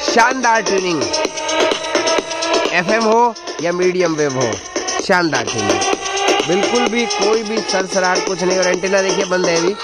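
A man's voice: sits high, lively intonation, normal speed, long pauses. A man casually demonstrating a radio, chatty and enthusiastic, repeating his praise, recorded on a phone indoors. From India. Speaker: radio reviewer. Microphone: phone camera held close to the radio. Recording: loud radio music playing behind.

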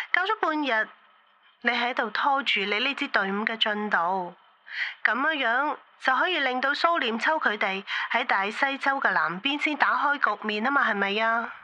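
A woman's voice: fairly high pitch, expressive, moderate pace, pushed and bright, dull audio. A woman with a Cantonese accent playing an indignant, accusing duchess in an audio drama, scolding dramatically. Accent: Hong Kong or Guangdong Cantonese.

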